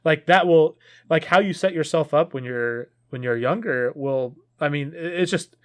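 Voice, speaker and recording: A man co-hosting a casual podcast, talking in long earnest rambles that trail off quietly. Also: on the high side, moderate pace. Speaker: podcast co-host. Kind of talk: casual chat.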